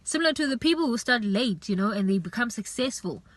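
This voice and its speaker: A woman's voice: on the high side, lively intonation, fast talker, no room sound. A woman giving an earnest, faith-based motivational talk as a vlogger, urging and repeating herself, with plenty of "you know".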